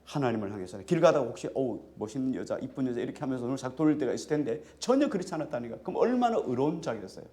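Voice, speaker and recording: A man's voice: mid-range voice, big pitch swings, racing, hardly any pauses, dark tone. A male pastor giving a sermon in a conversational way, often putting questions to the congregation.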